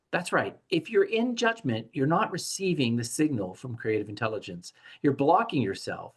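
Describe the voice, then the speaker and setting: A man's voice at a moderate pace, with very wide pitch swings. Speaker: spiritual artist and author. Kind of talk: solo podcast monologue. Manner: calm.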